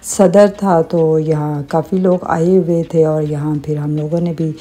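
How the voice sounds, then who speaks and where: A middle-aged woman narrating her family travel vlog as a calm voice-over, with religious greetings and small hesitations. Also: sits low, unhurried. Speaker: vlogger.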